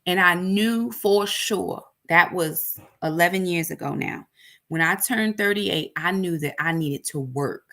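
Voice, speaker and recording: A woman's voice: fairly low pitch, measured pace, fairly bright tone. A woman, telling a personal faith story in an emphatic, preacherly way, full of repetition. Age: 40s. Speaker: ministry host. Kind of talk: personal testimony.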